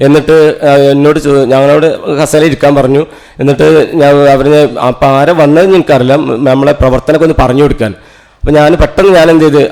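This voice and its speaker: Middle-aged Malayali man, rapid and heartfelt storytelling, restarts mid-sentence. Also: a little high, a little mellow, rough recording. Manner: fast, earnest, with frequent restarts. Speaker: teacher giving a talk at a cultural centre. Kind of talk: emotional storytelling speech.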